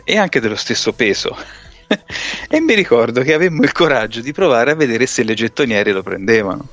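A man's voice: medium pitch, a bit bright. Casual podcast co-host, man from Tuscany, colloquial and earthy, slightly dull recording with music. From Italy, near Grosseto in Tuscany. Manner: colloquial, mildly profane. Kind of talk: casual chat, reminiscing about arcade games.

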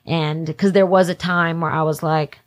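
A woman in her late twenties with a slightly low voice, talking candidly as a guest in an interview. Her phrasing is loose and slangy, peppered with "like", as in a chat between friends. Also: fairly even intonation, moderate pace. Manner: informal slang-filled talk, heavy use of "like". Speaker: interview guest working in music industry event production. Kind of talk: casual candid conversation.

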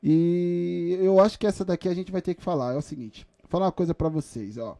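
A man's voice: sits high, a little fast, creaky, dark tone, dry recording. A man with a São Paulo Brazilian accent co-hosting a podcast in casual, slangy talk, repeating phrases for emphasis. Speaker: podcast co-host.

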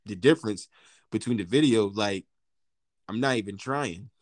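A young man with a deep voice rambles through a casual chat, slangy and easygoing, stumbling over restarts and breaking into quick laughs. His voice sounds close and dry, with next to no room around it. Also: no echo. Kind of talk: casual chat between friends.

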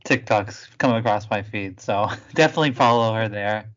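A woman in her late twenties hosting a podcast, relaxed and a bit hesitant in casual chat. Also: a bass voice, normal speed, muffled recording. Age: 20s. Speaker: podcast host.

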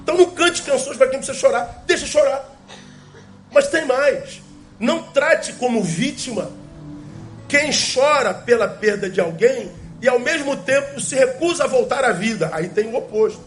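A male pastor, preaching a sermon emphatically with rhetorical questions and slowly repeated key phrases. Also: extremely high pitch, expressive, a bit bright, soft background music.

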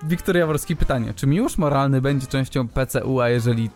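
A man's voice: medium pitch, fast, darkish tone, faint music behind. A man co-hosting a podcast, reading listener emails aloud in a joking way and breaking into laughter as he goes. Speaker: podcast co-host.

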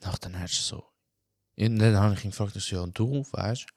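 Hosting a podcast, a young man originally from Macedonia, Albanian by background and speaking with a Swiss German accent, tells a casual story in a fairly low voice at a fairly quick pace. The recording is dry and studio quality. He narrates in an animated, slangy style full of filler tags.

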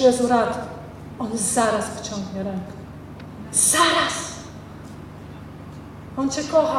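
High-voiced woman preaching in an echoey hall. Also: slight background noise. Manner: expressive preaching, reads scripture then dramatizes it; ends in prayer. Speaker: pastor. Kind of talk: sermon. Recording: reverberant hall from a distance, faint ambience.

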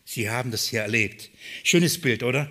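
Bright-voiced man preaching, hushed to emphatic. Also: medium pitch, normal speed. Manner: expressive, swings between hushed and emphatic. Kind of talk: sermon.

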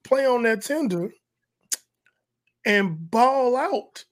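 A man's voice: very high voice, lively intonation, extremely slow. A man from Texas co-hosting a podcast, chatting casually and giving slangy, opinionated takes on sports. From Texas, United States. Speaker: podcast co-host.

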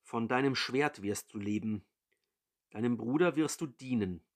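A man voicing an old blind father who gives a solemn, measured blessing. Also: mid-range voice, lightly acted. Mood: grave.

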